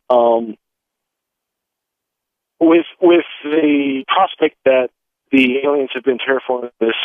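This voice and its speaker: A male caller from Michigan phones in while driving, his voice squeezed through a thin, tinny line that keeps breaking up. He talks in halting bits, full of pauses and restarts. His voice sits at an ordinary pitch and sounds dry, with no room around it. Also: dry recording. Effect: calling on a phone while driving, line breaking up. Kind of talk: call-in radio chat. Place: in a car.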